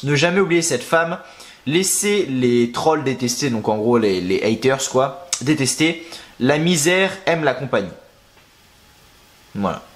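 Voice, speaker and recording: A man's voice: medium pitch, animated, unhurried. A young man chatting casually to camera, rambling and slangy, thinking aloud as he searches for things. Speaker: wrestling news youtuber.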